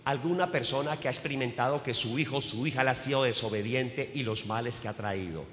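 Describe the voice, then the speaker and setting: A man preaching a sermon as a Catholic priest, animated, questioning the congregation and adding humorous asides. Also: mid-range voice, fast, a little hiss or hum. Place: church. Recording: echoey hall.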